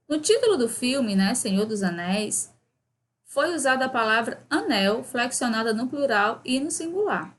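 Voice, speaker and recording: Reading grammar exercises to a seventh-grade class, this Brazilian Portuguese-accented teacher speaks in a slightly high voice. She often tacks on "né?" to check in with students.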